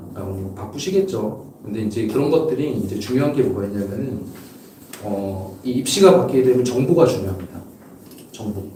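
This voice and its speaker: Lively intonation marks this man's medium-pitched voice at a moderate pace. The room echo is audible and the background noise noticeable. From South Korea, Seongnam. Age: 40s. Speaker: academy director giving admissions seminar. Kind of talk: public info session for parents. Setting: in-person seminar with audience. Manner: conversational, many filler words.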